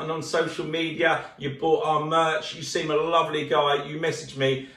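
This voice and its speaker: A middle-aged man hosting his own channel, announcing prize winners in an enthusiastic, chatty way, a little croaky from a cough, filmed in his living room. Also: fairly high pitch, fairly bright tone. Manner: enthusiastic, chatty, gestures while talking. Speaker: channel host. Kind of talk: upbeat announcement to viewers. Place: living room at home, indoors. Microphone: camera across the room. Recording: roomy echo from a distant camera mic.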